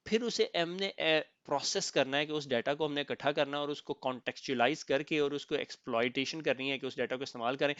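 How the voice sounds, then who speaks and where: A man gives a casual technical lecture over slides, mixing in English terms and pausing to ask if everyone follows. His voice sits a little high. The recording is dry and somewhat dull, like a close voice-over. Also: fairly bright tone, no room sound. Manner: conversational, code-switching with English terms, frequent "thik hai?" check-ins. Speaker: instructor.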